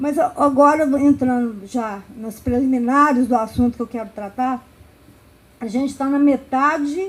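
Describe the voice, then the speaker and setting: The woman's voice sits at a high pitch. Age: 70s. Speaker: human rights activist, panel speaker. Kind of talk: speech at a public debate. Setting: university event with audience. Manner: halting, many repetitions.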